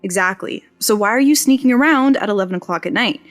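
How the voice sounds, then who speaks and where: A woman's voice: mid-range voice, quick pace, close to an everyday voice. Brash young female journalism grad, played by a woman, naturalistic audio drama: mid-range voice, wry, glib, music beneath. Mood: challenging. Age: young adult. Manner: sarcastic, glib, rambling.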